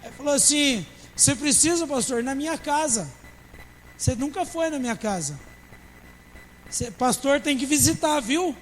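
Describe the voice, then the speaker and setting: A man's voice: extremely high pitch, animated, moderate pace, long reverb tail, slight background noise, low-quality recording. A man, a pastor preaching a sermon with humor and acting out church members in dialogue. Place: church service.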